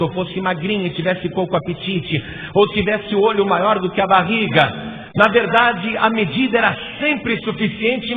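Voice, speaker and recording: A man with a Brazilian Portuguese accent preaching a sermon as pastor, building to loud, emphatic repeated lists. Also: high-pitched. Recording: tinny phone-like sound with long reverb and faint noise.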